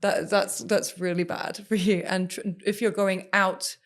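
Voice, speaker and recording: A woman's voice: medium pitch, level tone, a little slow. Emphatic woman singer giving voice advice. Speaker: singer and former TV presenter, guest. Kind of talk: podcast interview.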